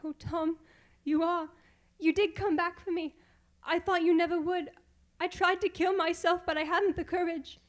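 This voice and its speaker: A woman's voice: very high-pitched, steady tone, moderate pace. A woman playing an earnest, fragile young deserted bride in a radio mystery play. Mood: relieved, tearful. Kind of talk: radio mystery theatre acting.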